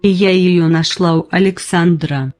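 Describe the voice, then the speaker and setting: Older woman in her nineties, patient interviewee, unhurried, plain short sentences. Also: on the low side, steady tone, a little mellow. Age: 90s. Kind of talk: slow personal testimony.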